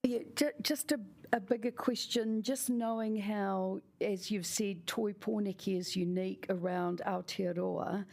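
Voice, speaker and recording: Gravelly woman councillor asking questions. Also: mid-range voice, fairly even intonation, measured pace, hardly any pauses, darkish tone. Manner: casual, searching, lots of fillers. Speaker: city councillor.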